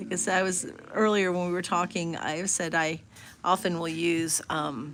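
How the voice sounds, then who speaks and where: A woman with an American accent, fairly even intonation, and music in the background. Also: fairly low pitch for a woman, moderate pace. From New York state. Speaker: wildlife painter. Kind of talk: live painting tutorial reading chat comments. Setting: live stream from an art gallery. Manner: casual, conversational.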